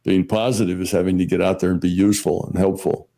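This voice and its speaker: A man's voice: deep voice, flat delivery, fast talker, gravelly, warm tone. A man giving an explanatory talk in a plain, didactic manner. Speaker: speaker in a played clip.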